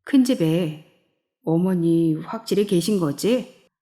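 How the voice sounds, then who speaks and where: Woman reading a pushy middle-aged guy, bossy and needling, low mellow voice, storybook. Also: lively intonation, slow pace. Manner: commanding, needling.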